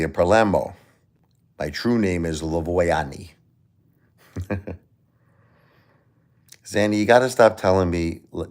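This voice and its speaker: A deep-voiced man from the United States chatting loosely on a livestream. He rambles, repeats himself and often restarts his sentences, and he speaks directly to the people watching. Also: darkish tone. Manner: rambling, repeats and restarts, talks straight to viewers. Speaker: livestream host. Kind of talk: casual livestream chat.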